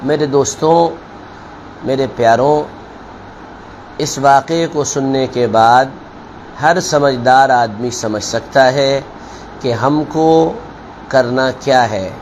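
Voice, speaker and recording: A man preaching as a Muslim cleric, telling parables and admonishing deliberately, repeating phrases for emphasis. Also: medium pitch, slight background noise, poor audio. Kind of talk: sermon with storytelling parable.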